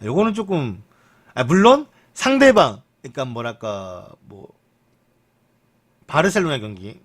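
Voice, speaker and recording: Animated young man chatting football news. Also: unhurried. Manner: chatty, lively pitch, jokes and mutters asides. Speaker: streamer reading football news. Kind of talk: casual live-stream commentary.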